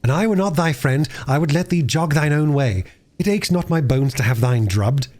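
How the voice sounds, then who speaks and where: A brotherly young squire from a storybook, acted out by a man reading aloud. He speaks in archaic phrases with a chiding edge, pitched up and very lively in its rise and fall. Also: normal speed, close to an everyday voice.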